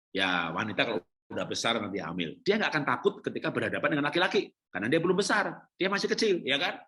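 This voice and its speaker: A middle-aged male pastor preaching on parenting, telling stories with lively acted-out dialogue and frequent laughter. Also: mid-range voice. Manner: lively storytelling, acting out children and parents, laughing often. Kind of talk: sermon on parenting.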